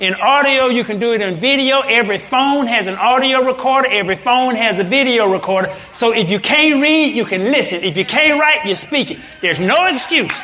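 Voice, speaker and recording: Over noticeable background noise, a man raises and projects his extremely high-pitched voice, talking fairly quickly in an animated tone with ordinary pitch variation. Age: 60s. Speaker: pastor and businessman. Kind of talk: sermon-style talk to a youth audience. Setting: church hall with live audience.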